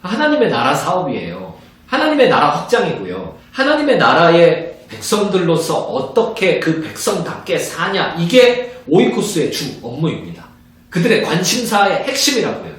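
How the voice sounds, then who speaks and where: A pastor teaching a room with a bouncing, expressive voice that sits a bit high for a man. He talks in an animated way and slips into short acted exchanges to make his points. He is recorded from a distance in a very echoey room. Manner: animated, acts out little dialogues in different voices. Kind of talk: evangelism training lecture.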